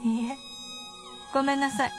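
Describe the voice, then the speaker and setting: A woman's voice: sits high, little pitch movement, moderate pace, music in the background, natural voice. A woman playing a refined, teasing wife. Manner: refined, gently teasing, old-fashioned feminine speech. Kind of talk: radio drama acting.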